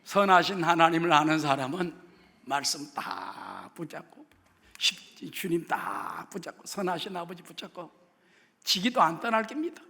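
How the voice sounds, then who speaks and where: A man's voice: fairly high pitch, expressive, moderate pace, gravelly, bright, forceful tone. A male pastor preaching a sermon in a church, with emphatic, rising exhortations. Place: large church sanctuary. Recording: long reverb of a large church hall.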